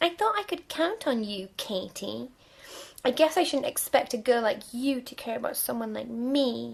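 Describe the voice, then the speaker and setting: A female-sounding put-on character voice comes out high-pitched and whiny. It moves at a moderate pace. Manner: complaining, guilt-tripping.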